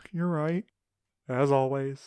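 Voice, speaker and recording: An actor in an audio drama playing a tender, grieving man who speaks haltingly and pleads with his lover. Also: medium pitch, steady tone, darkish tone, smooth, no room sound, studio quality, natural voice. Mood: sad.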